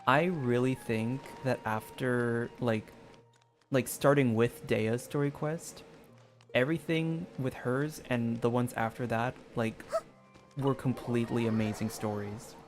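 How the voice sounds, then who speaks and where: A man's voice: mid-range voice, fairly even intonation, a little slow. A man giving casual, rambling game commentary in a hesitant way, often saying "like". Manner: hesitant, peppered with "like". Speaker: video game streamer. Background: background music.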